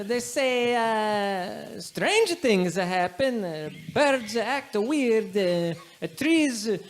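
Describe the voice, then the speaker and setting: A woman's voice: on the high side, a little hiss or hum, voice pushed up. A woman voicing a chatty middle-aged man giving a quest, speaking in broken English with lots of hesitant fillers.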